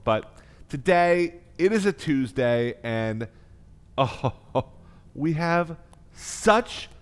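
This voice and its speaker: An American man hosting a live online cooking class as chef instructor, speaking with effusive, emphatic enthusiasm. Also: medium pitch. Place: kitchen.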